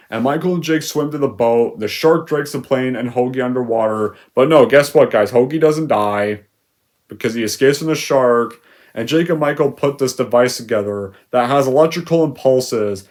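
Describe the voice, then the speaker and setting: Sarcastic ranting young man. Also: medium pitch. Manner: sarcastic, exasperated, loud outbursts. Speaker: movie reviewer. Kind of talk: ranting movie review.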